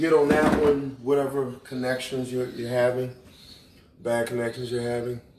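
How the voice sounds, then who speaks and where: Noticeable background noise behind a man talking. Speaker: fitness instructor. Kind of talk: casual live-stream chat. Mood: relaxed, chatty. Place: home room. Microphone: camera far.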